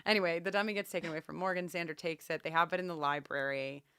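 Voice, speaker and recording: A woman's voice: on the low side, fast, clean tone, no echo, clean studio sound. A woman co-hosting a podcast, chatting casually through a TV episode recap and acting out reactions. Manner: animated, acts out reactions. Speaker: podcast co-host.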